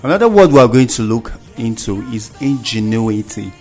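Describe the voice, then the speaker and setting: A man co-hosting a children's radio show. He spells and explains vocabulary in a steady teacher's manner. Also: medium pitch, normal speed, faint music behind. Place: radio studio.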